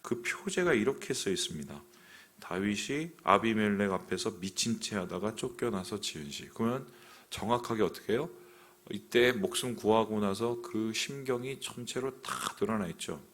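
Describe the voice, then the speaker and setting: A male pastor preaching an early morning sermon, asking the congregation questions and voicing inner thoughts, sometimes dropping very soft. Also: on the low side, animated, normal speed. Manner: preaching with rhetorical questions and voiced inner monologue.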